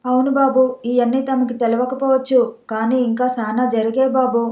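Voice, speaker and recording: A woman's voice: high voice, level tone, moderate pace, mellow, reverberant, natural voice. A woman voicing a frank, earnest village maidservant who speaks in rustic village dialect. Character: village maidservant, middle-aged, earnest and blunt.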